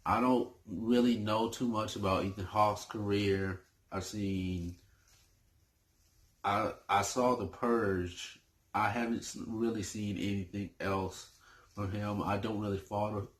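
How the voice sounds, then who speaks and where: A man talks casually about his favorite movies for his channel. He speaks slowly in a lowish voice, often stopping to restart his sentences. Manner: hesitant, full of fillers and restarts. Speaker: movie review YouTuber.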